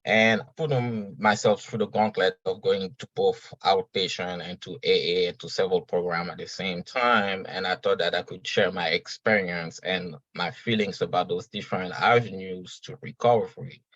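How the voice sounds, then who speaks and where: A man's voice: low voice, steady tone, moderate pace, few pauses, a bit bright, dry recording, lo-fi sound. A man, a podcast guest talking earnestly and reflectively at an uneven pace. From Senegal. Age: 30s. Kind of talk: casual conversational interview.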